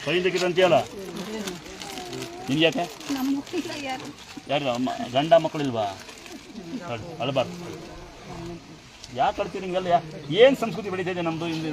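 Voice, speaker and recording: A man's voice: on the high side, a little fast, long pauses. Fatherly man scolding over a noisy crowd. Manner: scolding yet consoling, fatherly. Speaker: temple elder handing out offerings. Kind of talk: speaking to devotees in a crowd. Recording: loud crowd behind.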